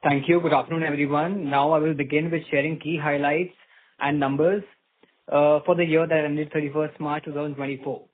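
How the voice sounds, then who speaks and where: Indian exec guy reading out results, highish voice, phone call sound. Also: flat delivery, a little fast. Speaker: company finance executive. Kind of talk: scripted financial results presentation. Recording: narrow phone-line sound.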